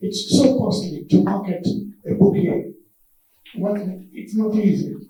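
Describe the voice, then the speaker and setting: A man talks fairly slowly at a high pitch with fairly even intonation. Audible room echo is present. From Congo. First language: French. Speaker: author. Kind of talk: audience Q&A answer. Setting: book launch event with audience.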